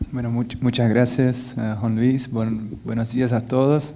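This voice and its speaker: With a Portuguese accent, a man talks at a medium pitch and a fairly slow pace in a monotone, flat intonation, amid audible room echo and noticeable background noise. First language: Portuguese (speaking Spanish). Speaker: competition authority commissioner and law professor. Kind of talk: conference presentation. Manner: halting, many false starts and fillers.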